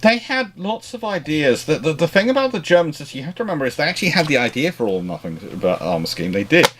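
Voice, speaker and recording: A man hosting an informal history question-and-answer chat, talking in a discursive, halting way and often rephrasing mid-sentence. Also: a little high, big pitch swings, fairly bright tone, a little hiss or hum. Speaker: naval history livestream host answering questions.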